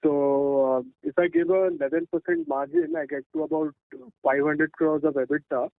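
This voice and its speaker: A man asking careful questions as an analyst on a conference call, heard over a phone line and pausing on fillers as he works through figures. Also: a little high, huge pitch swings, creaky, no echo. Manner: methodical, pauses on fillers while working through figures. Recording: tinny dry phone line.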